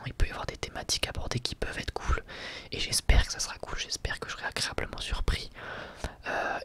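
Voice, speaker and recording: A man whispering a casual, hesitant ASMR commentary in a breathy, unvoiced voice. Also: mid-range voice, bright, forceful tone. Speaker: ASMR video creator giving film opinions.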